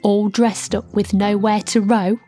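A woman's voice: medium pitch, flat delivery, a little slow, warm tone, soft background music, natural voice. A woman playing a wry cartoon storyteller, narrating with comic mock drama.

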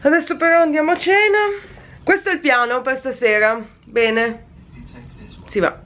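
A woman's voice: sits high, expressive, normal speed. A woman in her thirties, a travel vlogger talking to viewers in an upbeat, chatty way while filming herself on a phone held at arm's length. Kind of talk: casual travel vlog. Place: city streets outdoors and hotel room. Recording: busy street with crowd noise. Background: crowd and street noise.

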